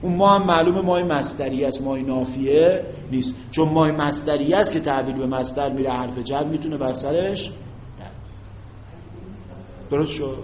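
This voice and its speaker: A man teaching an Arabic grammar lesson to a class. He stretches out the example phrases slowly and keeps checking whether his students follow. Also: a little high, a little hiss or hum. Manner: drawn-out recited Arabic examples, frequent check-ins with students. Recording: muffled, echoey classroom recording.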